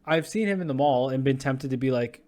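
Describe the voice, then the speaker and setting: A man's voice: mid-range voice, a little fast, darkish tone. A young man co-hosting a casual sports podcast, ranting bluntly and profanely, often breaking into laughs. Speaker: podcast co-host.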